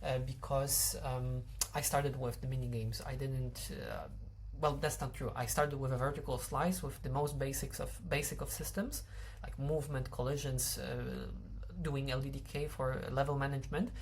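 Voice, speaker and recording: A man's voice: medium pitch, fairly even intonation, normal speed, a little hiss or hum. A young man, a game developer explaining his code, hesitant with many fillers and restarts. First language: Polish.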